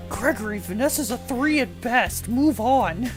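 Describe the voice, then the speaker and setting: A put-on character voice is heard over loud music in the background. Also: woman, high pitch for a woman, moderate pace. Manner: glam rock, dramatic.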